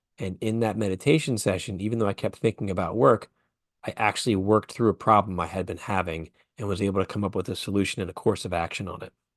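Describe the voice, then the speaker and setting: A man with a fairly low voice talks very fast with ordinary pitch variation, recorded very cleanly in a dry, close sound with no echo and a silent background. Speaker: podcast host and Reiki teacher. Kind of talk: casual monologue. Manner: halting, self-correcting.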